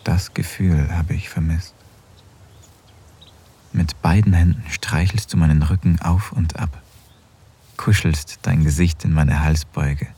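An actor playing an affectionate married man in an intimate audio drama, speaking softly and close to a whisper. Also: deep voice, slightly rough, exaggerated voice. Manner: soft, intimate, often near a whisper. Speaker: husband in an erotic audio drama.

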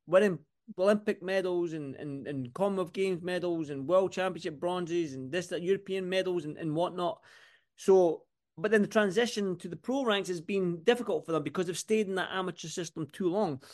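A man's voice: high-pitched, normal speed. A man with a Scottish accent talking casually and ramblingly as a sports podcast host, repeating phrases for emphasis. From Scotland.

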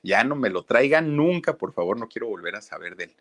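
A man's voice: fairly low pitch, big pitch swings, brisk, a bit bright, no echo, full character voice. Brief: shrewd bandleader, voiced by a man, dry close sound. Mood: scared pleading. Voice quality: pleading then stubborn, rambling with fillers. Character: shrewd middle-aged male bandleader, stubborn.

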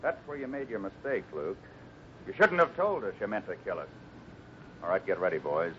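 A man's voice: deep voice, animated, normal speed. Firm fatherly cowboy hero, noisy recording. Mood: resolute. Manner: firm, earnest, commanding. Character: steady, brave cowboy leader, fatherly and firm. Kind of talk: 1950s radio western acting. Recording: muffled, very noisy old radio broadcast recording.

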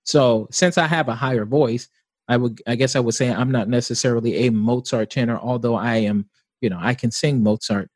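A man's voice: medium pitch, normal speed, a little mellow, no echo. A man, an opera tenor, giving thoughtful, earnest interview answers.

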